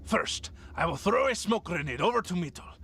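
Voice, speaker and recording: A blind, pompous villain in a comedy game cartoon. He schemes, with a bright, gravelly edge and slight noise behind him. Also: high-pitched, expressive, normal speed, heavily acted. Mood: commanding. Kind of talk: animated comedy machinima acting.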